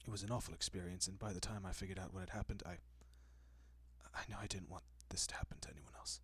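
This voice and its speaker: This man performs a courteous vampire gentleman for an intimate audio roleplay, talking fast in a steady tone, captured very dry with no room sound. Low and husky, soft and breathy, he often slips into whispers, sounding soothing and earnest as he reassures with polite, old-fashioned tenderness and quiet possessiveness.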